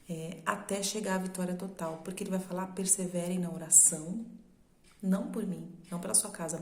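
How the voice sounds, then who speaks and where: A woman's voice: lowish voice, a little mellow, roomy sound. A woman with a Brazilian Portuguese accent, preaching a sermon in a conversational, explaining way that uses rhetorical questions. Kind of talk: sermon teaching.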